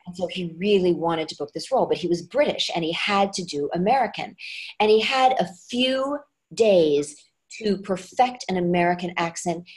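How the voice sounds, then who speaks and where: A woman's voice: fairly low pitch, lively intonation, normal speed. A woman dialect coach and actress, talking casually in an interview with many restarts and fillers.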